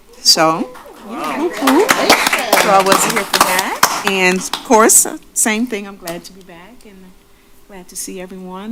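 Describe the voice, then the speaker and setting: This is a woman talking. There is noticeable background noise. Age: 60s. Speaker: planning commissioner. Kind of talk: brief remarks at public meeting. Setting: city commission meeting.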